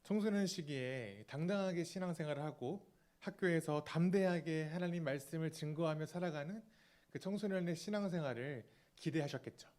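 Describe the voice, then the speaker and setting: A man in his thirties preaching a sermon as pastor, earnest and confessional, often trailing off softly, with small fillers and restarts. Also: on the high side. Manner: fillers and self-corrections.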